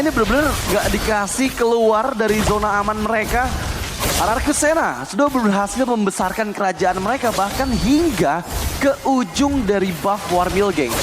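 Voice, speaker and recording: A man with an Indonesian accent giving excited live esports commentary in the manner of a fighting game announcer, as a shoutcaster. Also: high voice, moderate pace. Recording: loud music behind the voice. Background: music.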